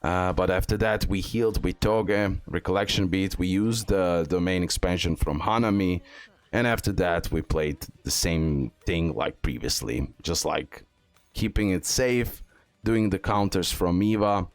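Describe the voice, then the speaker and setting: A man's voice: low-pitched, measured pace, no room sound. A man giving casual, off-the-cuff gameplay commentary, repeating phrases and tacking on little check-in questions. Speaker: gaming content creator.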